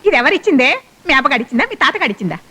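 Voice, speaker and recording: An actress playing a fiery, sharp-tongued old grandmother who scolds and mocks in rapid bursts. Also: high voice, sing-song, a little hiss or hum, heavily acted. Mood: furious. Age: older. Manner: scolding, mocking, rapid-fire insults. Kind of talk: film comedy acting.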